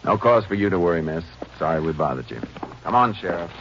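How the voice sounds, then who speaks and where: A man playing a calm, terse Texas Ranger who questions and narrates in a 1950s American radio drama. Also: deep voice, fast talker, highs cut off. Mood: stern, controlled. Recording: band-limited vintage radio recording with music.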